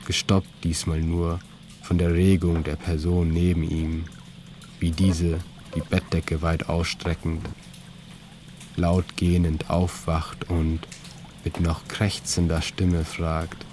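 A man calmly narrating a literary audio story in a slow, even third-person telling. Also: low voice. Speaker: author-narrator of an audio piece. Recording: clear ambient noise bed under the voice.

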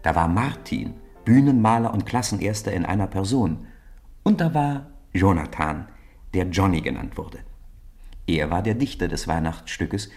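A man narrating a German children's radio play as an expressive, deliberate storyteller. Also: low-pitched.

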